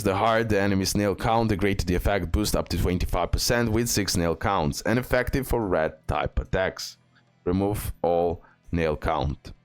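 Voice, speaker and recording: A man giving casual, excited commentary on a mobile game, reading skill text aloud and sharing his picks. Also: lowish voice. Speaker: gaming content creator.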